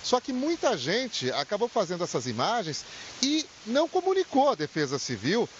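A middle-aged man with a Brazilian accent reporting live from a city street into a handheld mic, conversational and animated, sometimes restarting phrases. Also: high-pitched, normal speed. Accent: Brazilian Portuguese. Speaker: field reporter. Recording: slightly dull with faint hiss.

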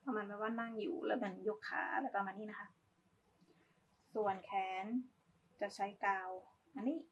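A woman's voice: medium pitch, moderate pace, lo-fi sound, slight background noise. A woman giving a casual, polite step-by-step craft tutorial, talking as she demonstrates. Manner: informal, polite, talks while demonstrating.

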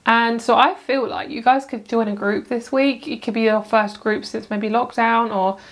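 A chatty woman with a slightly high voice reads tarot cards at home. She rambles cheerfully, stops herself mid-thought and wanders into side comments before getting back on track. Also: steady tone, normal speed. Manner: chatty, rambling, self-interrupting with asides. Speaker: tarot reader. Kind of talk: casual pick-a-card tarot reading.

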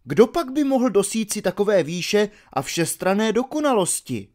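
A man voicing an eager, excited young Roman man in an audiobook reading of a classical dialogue, speaking in a raised, exclaiming way. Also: high-pitched, voice pushed up.

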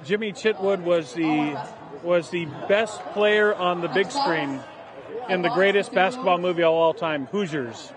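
A man, a priest, co-commentating a basketball game in a relaxed, storytelling way. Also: high-pitched, a little slow. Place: school gym. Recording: loud crowd behind.

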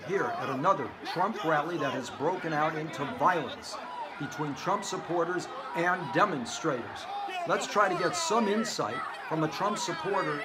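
A man's voice: fairly high pitch, animated, normal speed, a loud crowd, heavy background noise. A middle-aged man presenting a parody TV show as host and reporter. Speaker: comedy performer playing show host and reporter.

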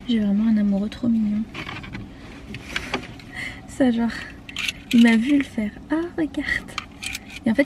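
A woman's voice: medium pitch, vocal fry, warm tone. A woman talking casually to her camera in a candid, rambling way, full of fillers and self-corrections. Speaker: family vlogger. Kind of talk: casual vlog chat to camera. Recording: noisy background ambience.

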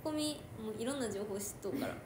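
Playful Kansai woman, high lively voice, casual stream chat, echoey room. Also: rapid-fire. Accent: Kansai Japanese. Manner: chatty, giggly, playful. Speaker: idol livestream host. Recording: echoey room with faint noise.

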